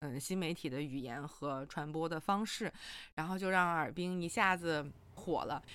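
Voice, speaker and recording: In a very clean recording with a silent background, a woman with a fairly low pitch talks at a fairly slow pace with ordinary pitch variation. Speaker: podcast co-host. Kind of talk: casual chat.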